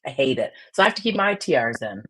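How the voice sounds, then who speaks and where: A woman with a raspy, projected voice, talking bluntly as a guest in a casual chat. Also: extremely low pitch, big pitch swings, fast talker, fairly bright tone. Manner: projects her voice, blunt and fiery.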